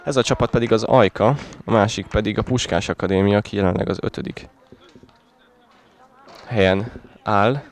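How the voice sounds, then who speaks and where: A man's voice: on the low side, fairly even intonation, pauses often. A man giving conversational live football commentary in short calls, outdoors at a small ground.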